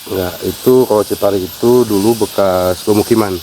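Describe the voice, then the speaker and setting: Male site guide, Sundanese accent, low voice, patient and rambling; hissy outdoor recording. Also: steady tone, dark tone, rough recording. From West Java, Sundanese. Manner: unhurried, hesitant with fillers, explains at length. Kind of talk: casual explanatory interview. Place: outdoors at a wooded sacred site.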